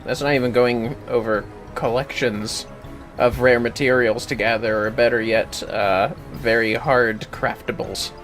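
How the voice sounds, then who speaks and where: A male game streamer talks casually to his viewers in a medium-pitched voice. He rambles, mutters to himself and swears freely. Music plays clearly behind him. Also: fairly even intonation, measured pace, a bit bright. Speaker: livestreamer. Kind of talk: casual gaming livestream chat with viewers.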